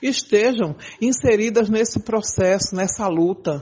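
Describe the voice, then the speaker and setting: A woman with a somewhat breathy voice at medium pitch speaks fairly slowly. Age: 60s. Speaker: domestic workers' union leader. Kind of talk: interview.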